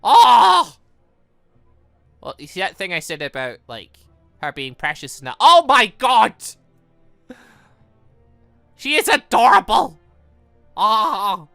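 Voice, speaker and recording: An excitable gaming host gushing, exclaiming and rambling through commentary on a visual novel, reading along as they play. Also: medium pitch, takes it slowly, creaky, pauses often, dry recording. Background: music.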